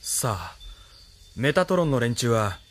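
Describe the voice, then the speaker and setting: A man's voice: medium pitch, sing-song, a little slow, slight background noise. An actor playing a dutiful officer who answers his superior formally in a radio drama. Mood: respectful. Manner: deferential, formal. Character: male officer, dutiful and respectful to his chief. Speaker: subordinate officer.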